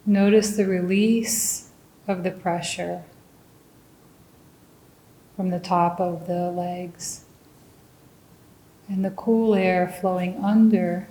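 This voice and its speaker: A woman leading a guided meditation as a teacher, speaking gently and deliberately in short phrases with long pauses. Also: medium pitch, reverberant, rough recording.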